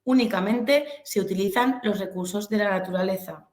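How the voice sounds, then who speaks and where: A woman's voice: medium pitch, normal speed. A woman from Spain with a Castilian accent giving an informal online lecture, explaining hesitantly and searching for words. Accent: Castilian Spanish. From Albacete, Castilla-La Mancha, Spain. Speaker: webinar presenter, business instructor. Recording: echoey room sound.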